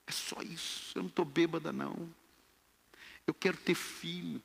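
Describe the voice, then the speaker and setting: A man's voice: a little high, steady tone, normal speed, vocal fry, breathy edge, big-room sound, pitched above the performer's own voice, heavily acted. A preacher playing a grieving woman who pleads for a child, in a raised, tearful voice. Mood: pleading.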